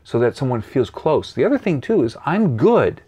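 A man speaking as a guest coach in an interview, animated and repeating key phrases for emphasis. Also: mid-range voice, normal speed, breathy edge. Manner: animated, acts out voices and sounds. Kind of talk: interview answering questions.

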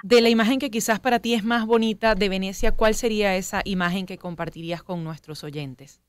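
A woman's voice: medium pitch, a little fast, clean tone, dry recording. A woman radio host interviewing a guest, asking questions in an inviting way.

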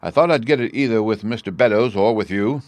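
A man voicing a wizened old sailor in an audiobook, sly and over-familiar, with rough seaman's speech. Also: lowish voice, brisk, darkish tone, no echo, close to an everyday voice. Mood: wheedling, sinister. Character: wizened, crafty old sailor, cringing yet sinister.

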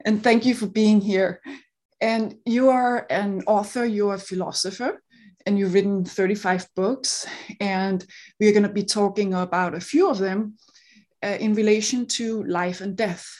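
A woman's voice: medium pitch, fairly even intonation, measured pace, a little mellow. A woman with a Danish accent, hosting an online interview in a casual, chatty way over a video call. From Denmark. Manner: chatty, laughs easily, restarts often. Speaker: summit interviewer.

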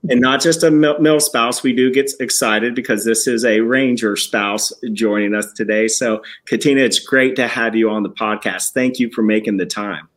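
A man's voice: medium pitch, steady tone, normal speed, hardly any pauses, fairly bright tone. A man hosting a podcast from a church building, introducing and interviewing a guest with enthusiasm and some restarts. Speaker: podcast host.

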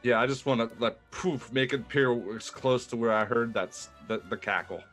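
A man's voice: mid-range voice, fairly even intonation, moderate pace, a bit bright, soft background music. A man talking casually as a player at a tabletop role-playing game.

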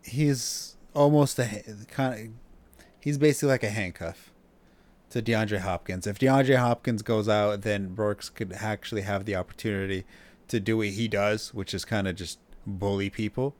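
A man's voice: on the low side, normal speed, darkish tone. A man co-hosting a podcast in casual chat, giving blunt, emphatic opinions. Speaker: podcast co-host. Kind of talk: casual fantasy football chat.

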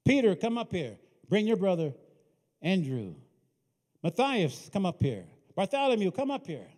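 A man playing a calm, commanding male teacher who calls his followers forward in a firm, raised voice. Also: high voice, moderate pace. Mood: calling. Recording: reverberant hall.

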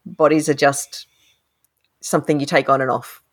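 An Australian woman co-hosting a podcast, talking through a novel in a thoughtful, animated way and laughing often. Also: low voice, moderate pace. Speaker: podcast co-host, critic. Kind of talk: casual book discussion.

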